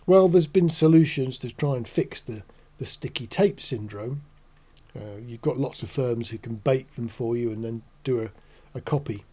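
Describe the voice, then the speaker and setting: A man in his sixties hosting a casual explanatory talk in a measured, reflective, matter-of-fact way. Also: mid-range voice, dark tone. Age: 60s. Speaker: host. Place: small indoor studio.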